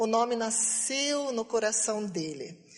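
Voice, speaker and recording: A woman's fairly high voice with ordinary pitch variation, in a strong Curitiba accent. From Brazil, Curitiba. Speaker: missionary, pastor's wife. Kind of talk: church testimony. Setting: church.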